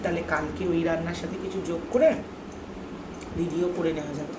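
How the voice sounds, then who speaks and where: A woman's voice: low voice, steady tone, brisk. A woman chats casually and confidingly as she eats, rambling along with food often in her mouth. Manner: talks while eating, mouth often full. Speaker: vlogger. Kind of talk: casual mukbang chat. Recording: roomy echo, clearly noisy background.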